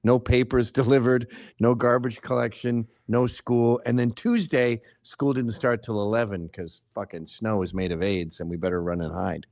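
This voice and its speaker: A man in his fifties joins a livestream as a guest, telling rambling stories full of jokes and swearing. His voice sits at an average pitch, and it sounds close and dry over a remote call. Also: steady tone, normal speed, creaky, hardly any pauses, a little mellow, dry recording. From Canada. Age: 50s. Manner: profane, rambling, joking storyteller. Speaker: podcast guest. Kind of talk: casual livestream chat.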